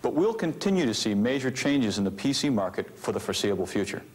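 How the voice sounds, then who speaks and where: A man's voice: medium pitch, sing-song, quick pace. A man in his thirties giving a scripted, methodical training film presentation as an instructor on a vintage video soundtrack. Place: indoor studio set with office equipment. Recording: faint noise, vintage 1980s video soundtrack.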